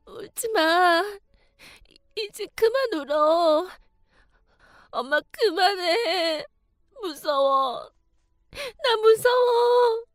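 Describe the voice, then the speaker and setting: A woman's voice: no room sound, studio quality, full character voice. A woman voicing a frightened little boy who sobs and begs his mother to stop crying. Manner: high, sobbing, pleading.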